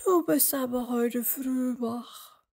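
A woman voicing a gentle, sweet little female sheep in a children's storybook, full of wonder. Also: high-pitched, slow pace, vocal fry, voice pushed up, full character voice. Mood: sleepy.

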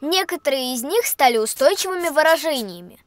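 High-pitched little cartoon helper. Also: female voice, lively intonation, a little fast, no room sound, clean studio sound. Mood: explaining. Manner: clear explaining, gently correcting. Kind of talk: children's educational cartoon voice acting.

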